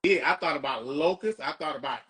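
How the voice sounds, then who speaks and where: A woman's voice: low voice, quick pace, fairly bright tone. A woman chatting casually as a guest, with a playful, dryly resigned manner. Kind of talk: casual chat.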